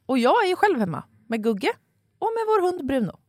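A woman's voice: sits high, very animated, a little mellow, no room sound, studio quality. A woman co-hosting a podcast, telling a long story in a casual chat and swearing freely. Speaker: podcast co-host.

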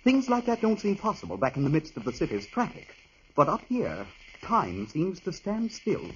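A man's voice: a little high, wildly swooping pitch, moderate pace, a little hiss or hum. An actor playing an earnest, uneasy man who guides detectives through a superstitious countryside, in a 1940s radio drama. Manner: earnest, explaining local superstition. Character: earnest male city client, middle-aged, uneasy. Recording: muffled old radio broadcast.

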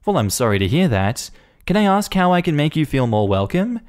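A man's voice: on the high side, very animated, a little fast, pitched above the performer's own voice. A man voicing a polite, apologetic young woman receptionist at a clinic. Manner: overly apologetic, soft and courteous.

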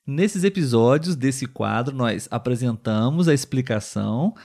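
A Brazilian man co-hosting a Portuguese lesson, explaining expressions clearly and slowly and often ending with a tag question. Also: medium pitch, animated, a little mellow. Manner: clear, slow teacher talk with tag questions. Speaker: co-host of a Portuguese lesson channel.

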